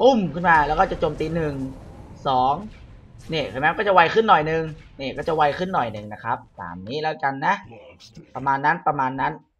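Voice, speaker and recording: Lively intonation and big swings in loudness mark a man's unremarkable speaking voice, pitched fairly high. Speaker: gaming channel host. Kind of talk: casual patch-notes commentary to camera.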